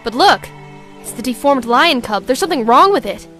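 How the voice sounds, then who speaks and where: A wary young heroine in a superhero audio drama. The voice is high and matter-of-fact, with music underneath. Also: female voice, lively intonation, moderate pace, fairly bright tone. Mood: uneasy. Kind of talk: comic-book radio drama acting.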